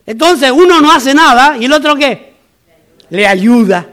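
A man's voice: very high voice, animated, a little slow, fairly bright tone. A man from Argentina preaching a sermon as a pastor, emphatic and repetitive, with humorous asides.

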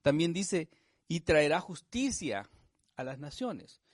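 A man preaching a sermon, explaining scripture in a conversational way, often tagging on questions, and reading verses slowly and with weight. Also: a little high, big pitch swings, no room sound, studio quality. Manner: conversational, frequent tag questions and fillers; reads scripture slowly and with emphasis. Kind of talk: sermon, Bible study teaching.

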